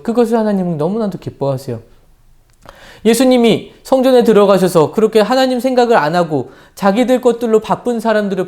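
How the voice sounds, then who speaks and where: A man preaching a children's sermon as pastor, telling stories in an animated way and asking the kids questions, on a lapel mic. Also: sits high.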